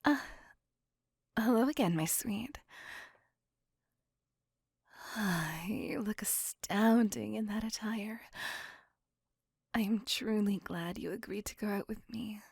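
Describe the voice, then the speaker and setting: A woman voicing a possessive female vampire in a whispered roleplay, speaking slowly and formally in a breathy, intimate hush. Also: medium pitch, no room sound, studio quality, full character voice. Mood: courtly. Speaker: voice actor.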